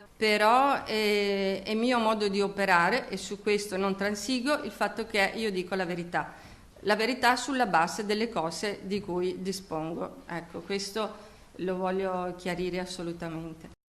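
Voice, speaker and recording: A woman speaks in a Sicilian accent at a fairly slow pace with ordinary pitch variation. There is audible room echo. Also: medium pitch for a woman. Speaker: public health official. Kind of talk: news interview.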